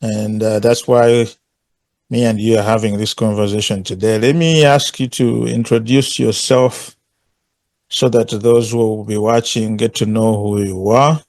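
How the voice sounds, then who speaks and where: A man hosting a conversational interview in a polite, halting way. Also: on the low side, steady tone, a little mellow, no echo. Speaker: interviewer, host.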